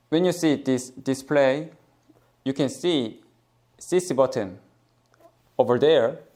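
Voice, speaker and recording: A man's very slow, fairly high-pitched speech with a Korean accent, long and frequent pauses, ordinary pitch variation, and a dark, mellow tone. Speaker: leathercraft youtuber. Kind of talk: casual vlog talk to camera. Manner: halting, non-fluent English.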